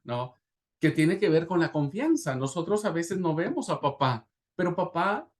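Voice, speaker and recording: A man teaching a class on preaching, in a conversational lecture with frequent restarts and tag questions. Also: a little high. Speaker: preaching instructor. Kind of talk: classroom lecture on sermon technique.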